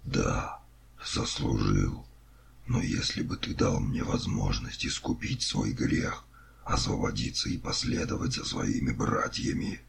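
A man voicing an ancient imprisoned male being, proud and remorseful, in whispered role-play with a gravelly, brooding delivery. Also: rumbling low, background noise, voice pushed down, exaggerated voice. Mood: bitter. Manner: slow, brooding.

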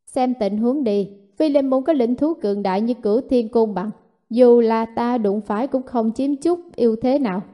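A woman voicing an aged male elder in blue robes who speaks in a slow, measured murmur. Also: fairly high pitch, warm tone, lightly acted. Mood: grave.

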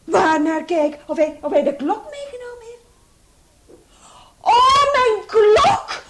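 A woman's voice: very high voice, sing-song, takes it slowly, a bit bright, heavily acted. An actress playing an indignant woman householder in a radio play, full of questions and exclamations. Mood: flustered. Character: indignant woman flat owner confronting burglars.

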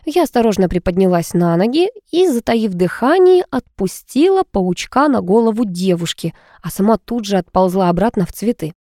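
Female audiobook reader, animated delivery, dry close sound. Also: mid-range voice, normal speed, few pauses, dry recording. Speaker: audiobook narrator. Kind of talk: first-person audiobook narration.

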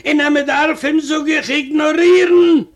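A man's voice: very high voice, slow pace, gravelly, fairly bright tone. A man reading a comic first-person story aloud in a chatty manner, retelling a quarrel and repeating "I say" again and again.

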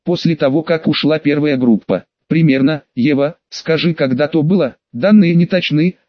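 A man's voice: a little high, no echo, lightly acted. A man reading the part of an enthusiastic, talkative middle-aged male professor in an audiobook, on a dull, dry lo-fi recording. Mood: earnest. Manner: excited, talkative.

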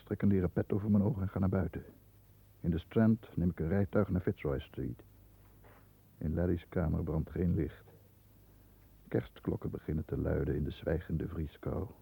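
A man acting a stern, proud middle-aged lawyer in a 1960s radio play, speaking with formal, measured diction. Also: sits low, vocal fry, slightly rough, full character voice. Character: stern, proud male lawyer protecting the family name. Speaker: actor in a radio drama. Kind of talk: 1960s Dutch radio play acting, first-person narration and dialogue. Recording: muffled, thin 1960s radio recording.

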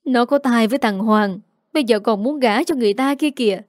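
Angry middle-aged mother, scolding hard, mellow low-toned delivery, read by a woman narrator. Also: brisk, no echo, clean studio sound, lightly acted. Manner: scolding, sharp rebukes.

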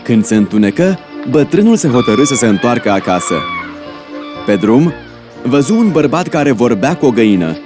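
A man narrating a cartoon story in an even, storytelling manner. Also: mid-range voice, natural voice. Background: background music.

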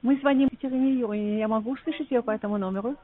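A woman's voice: on the high side, rapid-fire. A woman working as a debt collection agent on the phone, formal and insistent, with a speech impediment on her r sounds. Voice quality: mispronounces her r sounds, soft burred r (rhotacism). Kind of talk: scripted call-centre talk turning argumentative. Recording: muffled, tinny phone line.

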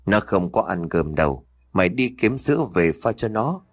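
A man's voice: sits low, big pitch swings, moderate pace, exaggerated voice. A man voicing a possessed young man who barks threats and wails. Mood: menacing. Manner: gruff, barking, threatening. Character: possessed young man, menacing, rude and hungry.

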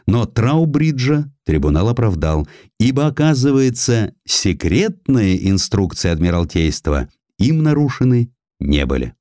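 A man with a low voice reads history as an audiobook narrator. His delivery is theatrical and expressive, with wide swings of intonation. The recording is close and dry. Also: a little slow, dry recording. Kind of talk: dramatic scripted narration of historical essay.

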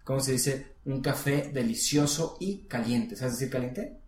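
Woman tutor, patient, models words slowly; roomy echo. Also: rumbling low, a little mellow. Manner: patient, coaching, models pronunciation. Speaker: English teacher. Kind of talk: one-on-one language lesson. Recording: echoey room.

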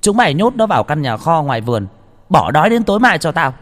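Man doing a high, shrieking spoiled young mistress, vicious and petulant, in a reverby narration. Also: big pitch swings, normal speed. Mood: commanding. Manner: screeching, cursing, whiny.

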